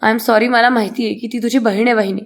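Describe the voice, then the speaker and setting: Woman narrator voicing a tearful, plaintive young wife; a plain read, slightly high. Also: fairly even intonation, a little fast, close to an everyday voice. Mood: tearful complaint. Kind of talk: reading a serial recap aloud.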